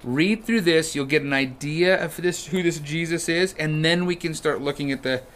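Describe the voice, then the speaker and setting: Male church podcast co-host, slightly high voice, animated storyteller. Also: normal speed. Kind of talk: casual chat.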